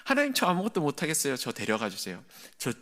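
A man's voice: wildly swooping pitch, quick pace, full character voice. Worn-out prophet at the end of his strength, begging to be let go; a preacher acts him out in a sermon. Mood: pleading. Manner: pleading, higher and louder than his narration. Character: exhausted despairing male prophet, pleading.

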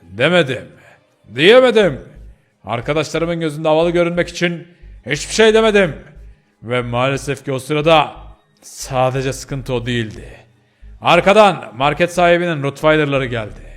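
A man's voice: a little high, animated, normal speed, in a large hall, lightly acted. A man voicing a white pitbull dog who tells his story with regret, as game role-play narration. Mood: rueful.

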